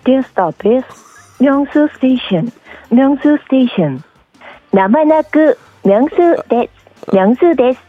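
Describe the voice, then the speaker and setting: A woman imitating a female station announcer over a PA system, with slow, sing-song announcement phrasing, played as a clip. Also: high voice, expressive, soft background music, full character voice. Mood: announcing. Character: female train-station PA announcer, calm and measured. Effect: sounds like a station PA announcement. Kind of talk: voice-impression clip played on a radio show. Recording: tinny phone-like line.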